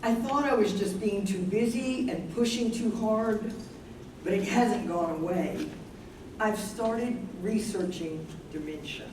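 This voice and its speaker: A woman's voice: mid-range voice, takes it slowly, natural voice. A woman playing a thoughtful, anxious professor wife troubled by her memory in a staged play reading. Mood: worried. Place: live staged reading in a room. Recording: noisy, echoey room from a distance.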